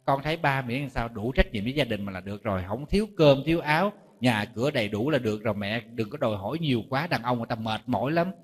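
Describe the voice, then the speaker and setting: A man with a Southern Vietnamese accent voicing a grown son calmly reasoning with his mother. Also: medium pitch, fast talker, hardly any pauses, breathy edge, pitched below the performer's own voice. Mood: soothing. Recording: long reverb hall.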